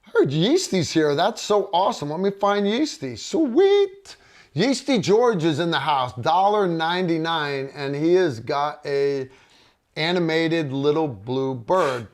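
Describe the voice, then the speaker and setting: A man's voice: a little high, sing-song, unhurried. A middle-aged man hosting a casual livestream, reading viewer comments and rambling with frequent restarts. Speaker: livestream host.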